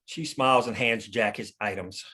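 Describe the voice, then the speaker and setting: A man's voice: lowish voice, moderate pace, bright, forceful tone, slightly rough. Matter-of-fact man reading stage directions. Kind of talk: scripted narration at a table read.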